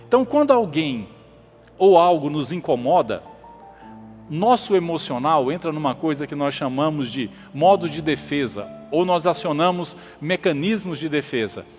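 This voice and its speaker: Male pastor preaching emphatic, kinda high voice, echoey church hall, soft music behind. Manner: emphatic preaching with rhetorical questions and repetition. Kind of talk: sermon.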